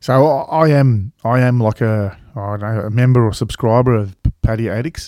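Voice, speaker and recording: Here a man speaks with an Australian accent at a moderate pace. His medium pitch has a dark, mellow tone and ordinary pitch variation. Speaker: podcast host. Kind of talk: casual chat.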